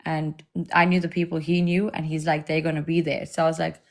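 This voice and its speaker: Laid-back gravelly South African woman. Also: low-pitched, flat delivery, a little fast. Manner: laid-back, laughing, loose storytelling. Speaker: livestream host. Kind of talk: casual chat.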